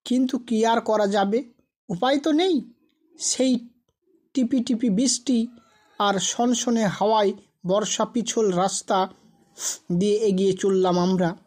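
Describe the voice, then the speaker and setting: A woman's voice: mid-range voice, slow, long pauses, darkish tone. A woman reading a scripted ghost story as a storyteller.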